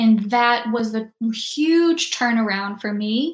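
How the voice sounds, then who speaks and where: Over music in the background, a woman with a Southern US accent speaks at a very slow pace, her pitch fairly high and its variation ordinary. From US South. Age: 30s. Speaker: author and evangelist. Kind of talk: interview.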